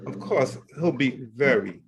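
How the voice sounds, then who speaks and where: A man playing a busy, dry magazine editor in a play reading, with a measured, deliberate manner. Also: mid-range voice, lively intonation, creaky, a crowd in the background. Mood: dry, curt. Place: online video call reading. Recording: video call audio.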